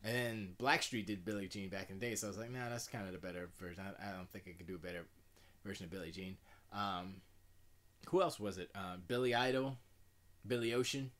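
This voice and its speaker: Man, deep voice, middle-aged, loose self-deprecating chatter, home studio stream. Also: steady tone, a little fast, a bit bright. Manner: rambling, self-deprecating, with restarts and asides. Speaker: music producer streaming live. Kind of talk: casual live-stream chat.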